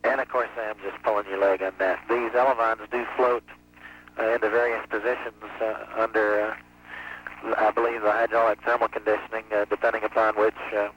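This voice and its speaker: A man, an astronaut speaking over a space-to-ground radio transmission, reporting in a halting way with many fillers and a dry joke now and then. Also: on the low side, level tone, a bit bright. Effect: muffled space-to-ground radio transmission. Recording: muffled radio link with faint hiss.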